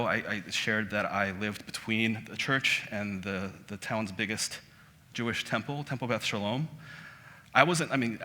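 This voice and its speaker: A Korean-born man in his thirties giving a relaxed, conversational public lecture, often restarting his sentences. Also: fairly low pitch. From South Korea. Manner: conversational, self-deprecating, many restarts. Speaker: guest lecturer. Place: auditorium. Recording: hall reverb.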